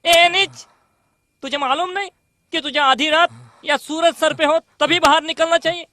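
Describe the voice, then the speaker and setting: A man's voice: extremely high pitch, fairly even intonation, normal speed, bright, forceful tone. An actor playing a harsh upper-caste man in a film, barking contemptuous orders at an outcast.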